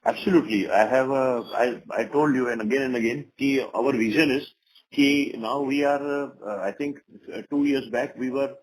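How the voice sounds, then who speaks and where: A man's voice: mid-range voice, fairly even intonation, normal speed. A man with an Indian accent answering investor questions as a company executive on a conference call, often repeating words for emphasis. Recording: noisy conference phone call.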